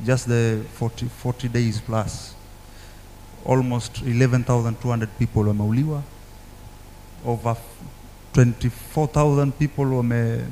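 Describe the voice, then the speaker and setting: A man's voice: medium pitch, darkish tone, a little hiss or hum. A man with an East African accent, a native Swahili speaker, speaking earnestly as a guest in a talk show discussion. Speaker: panel guest. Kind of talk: talk show discussion, mixing two languages.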